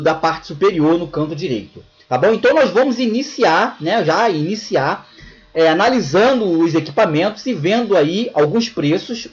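A man's voice: high voice, lo-fi sound. A Brazilian man with a Brazilian Portuguese accent giving a casual slide lecture, often checking in with "tá bom?" and "né". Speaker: presenter of an online lecture.

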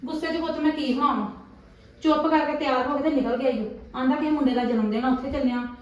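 A middle-aged woman playing a mother who complains rapidly about her grown son. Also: high-pitched, fairly even intonation, a little mellow, close to an everyday voice. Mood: grumbling. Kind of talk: web drama acting. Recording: echoey room, far from the mic.

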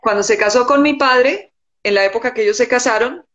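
A woman, answering calmly as a guest on a live video chat from home. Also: a little high, a little fast, lo-fi sound. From born in the United States, raised in Colombia. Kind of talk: casual live-stream chat. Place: indoor room at home.

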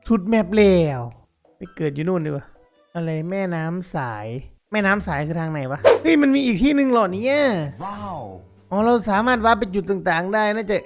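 A man giving excited game commentary to his viewers, exclaiming and laughing often. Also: high voice, fairly quick, music in the background. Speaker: gaming YouTuber.

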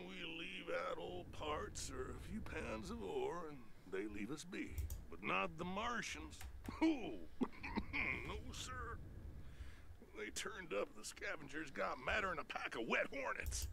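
An actor playing a folksy, excitable old prospector in a video game, with a rustic drawl and a gravelly, cackling voice. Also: male voice, on the high side, full character voice. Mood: excited, indignant. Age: older. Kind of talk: video game character dialogue. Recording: noisy game audio with ambience.

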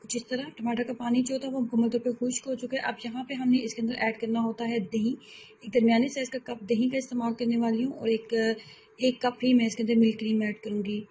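A woman hosting a home cooking channel, calmly explaining recipe steps in a voice-over and often repeating herself. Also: fairly high pitch, fast, a little hiss or hum, rough recording.

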